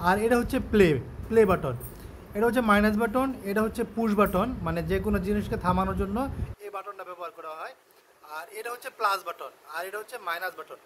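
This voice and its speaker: Bangladeshi guy demoing stuff to sell, talks really quick, some background noise. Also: high voice, fairly bright tone. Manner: repetitive, step-by-step explaining. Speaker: shop seller presenting a product on his channel. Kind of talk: casual product demonstration and sales pitch.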